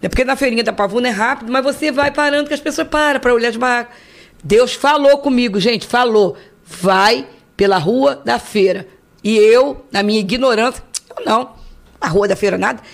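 A woman in her fifties with a Rio de Janeiro accent, a podcast guest telling a long personal story in casual chat, acting out the voices she quotes and repeating words for effect. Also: on the high side. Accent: Rio de Janeiro Portuguese. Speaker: guest, host's mother.

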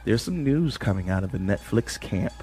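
Animated joking male podcast host. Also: fairly low pitch, normal speed. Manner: animated and joking, laughs often. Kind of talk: casual pop-culture chat.

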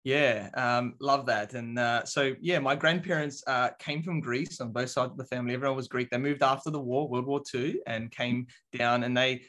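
A man's voice: mid-range voice, moderate pace, hardly any pauses. An Australian man in his thirties, chatting casually as an interview guest with plenty of fillers. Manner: relaxed, many fillers like um and you know. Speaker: business coach guest.

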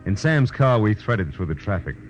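An actor playing a tough, sardonic private detective in a 1940s radio drama. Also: male voice, lowish voice, sing-song, moderate pace, soft background music. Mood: wry, narrating. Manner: tough, clipped, wry. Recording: muffled old radio recording.

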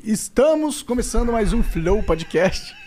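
A man's voice: very high-pitched, sing-song, a little slow, darkish tone, soft background music. A tired, hungover Brazilian man hosting a podcast in casual, teasing, foul-mouthed chat. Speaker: podcast host.

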